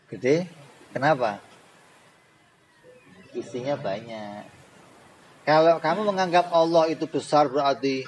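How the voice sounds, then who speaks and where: A man teaches Islamic theology in a lively way. He fires rhetorical questions at his students and drops in joking asides. His voice sits at a middle pitch, with a faint ambience underneath. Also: a little hiss or hum, poor audio. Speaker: religious teacher.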